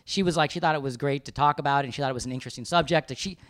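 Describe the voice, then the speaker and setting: A man co-hosting a podcast, talking casually and animatedly with a fairly high register, swearing and laughing often. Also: rapid-fire, a bit bright, no room sound, clean studio sound. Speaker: podcast co-host. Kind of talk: casual chat.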